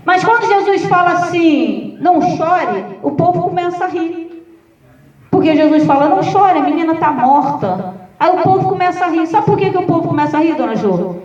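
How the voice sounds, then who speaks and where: A Brazilian woman pastor delivers a sermon in a high voice, telling stories with humor. She sounds distant in an echoey room, and the recording is dull and muffled. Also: moderate pace. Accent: Brazilian Portuguese. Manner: lively, humorous storytelling with acted quotes.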